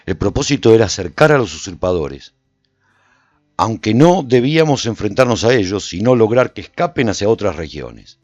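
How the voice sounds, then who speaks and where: A man playing a solitary warrior who recounts his battles in solemn, measured, scripted radio-serial narration. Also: fairly low pitch, darkish tone, no room sound, highs cut off.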